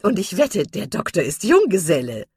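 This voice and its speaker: A woman playing a loud, teasing old matron. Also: on the low side, very animated, normal speed, slightly rough, no room sound, studio quality, pitched above the performer's own voice, heavily acted. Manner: boisterous, teasing. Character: loud jolly older matron, nosy, teasing.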